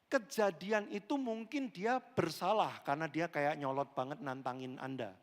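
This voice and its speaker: Man, pastor, high animated voice, acts out characters, church hall with long reverb. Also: moderate pace. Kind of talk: lively sermon with acted-out dialogue.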